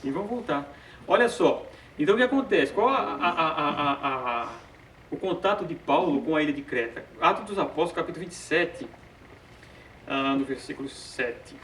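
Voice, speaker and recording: A man's voice: on the high side, expressive, normal speed, a bit bright, a little hiss or hum. A man teaching a casual Bible study, with hesitant filler sounds and frequent chuckles. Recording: roomy sound from a distant mic.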